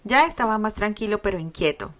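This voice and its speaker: A woman's voice: mid-range voice, expressive, fairly quick, a bit bright. Woman reading a love story aloud. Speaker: reader.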